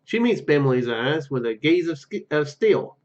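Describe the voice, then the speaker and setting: Higher-voiced man doing a muffled let's play. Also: big pitch swings, moderate pace, darkish tone. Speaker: gaming video host. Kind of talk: let's play commentary, reading game text aloud.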